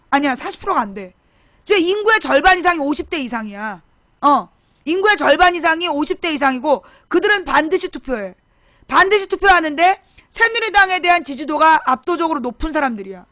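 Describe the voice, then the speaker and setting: A woman's voice: high voice, pushed and bright, dry recording, studio quality. A middle-aged woman hosting a casual live-streamed political talk show, rambling and correcting herself as she addresses viewers directly.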